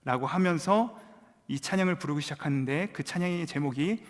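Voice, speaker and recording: A man preaching a testimony sermon, telling his story with acted prayers and quoted words. His voice sits fairly high for a man, and it swings between quiet low asides and loud, cried-out moments. A long reverb from the church sanctuary trails after every phrase. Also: a little fast. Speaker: pastor.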